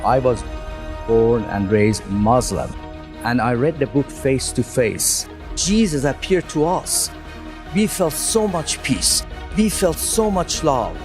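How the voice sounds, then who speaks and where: A man's voice: medium pitch, expressive, takes it slowly, over music. A man giving a fervent, emotional religious testimony. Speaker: church member giving testimony.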